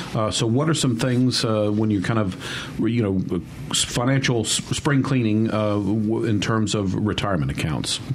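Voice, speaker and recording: A man at a fairly low pitch, fairly slow yet with hardly any pauses, with ordinary pitch variation and very even loudness, over noticeable background noise. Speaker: radio host. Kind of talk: radio call-in show. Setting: studio.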